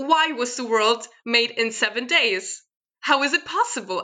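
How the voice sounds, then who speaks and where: This woman has a bright, sharp tone and a high pitch. Her intonation is lively and her pace moderate. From eastern Ukraine, raised in Germany. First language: Russian. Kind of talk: interview.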